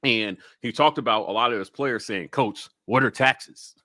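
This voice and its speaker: Bright, forceful man co-hosting a sports show. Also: mid-range voice, normal speed, no room sound, studio quality. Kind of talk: casual sponsor read and banter.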